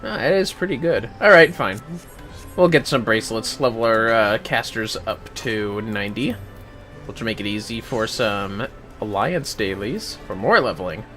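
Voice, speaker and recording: A man's voice: on the low side, moderate pace, a bit bright, faint music behind. A man giving casual, offhand game livestream commentary, muttering asides to himself as he plays. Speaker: game streamer.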